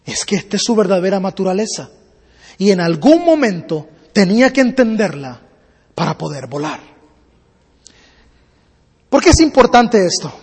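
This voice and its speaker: A man preaching a sermon and telling a parable, using rhythmic repetition that builds slowly, in a church hall. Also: high voice, very animated, darkish tone, slightly rough. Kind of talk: sermon with storytelling. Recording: long hall reverb.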